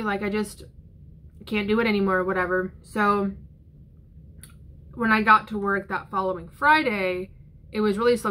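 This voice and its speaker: A woman's voice: medium pitch, fairly bright tone, a little hiss or hum. A young woman in her twenties telling a story in a casual vlog from her living room, talking bluntly, swearing freely and using lots of fillers. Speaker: vlogger. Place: living room at home, indoors.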